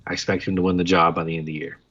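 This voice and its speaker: A man's voice: low voice, flat delivery, racing, a bit bright, husky, dull audio. A man co-hosting a casual sports podcast, breaking down players eagerly and listing examples. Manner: enthusiastic, analytical, lists examples. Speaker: podcast co-host.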